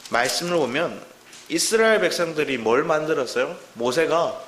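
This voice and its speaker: A man preaching a Sunday sermon as pastor, animated, acting out the voices he quotes. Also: on the high side, normal speed, slight background noise. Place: church sanctuary. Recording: echoey church hall.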